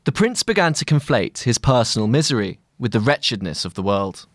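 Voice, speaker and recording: A man reading a scripted long-form article aloud in a measured, articulate, literary manner. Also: medium pitch, sing-song, no echo, studio quality. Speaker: narrator of a long-read magazine article.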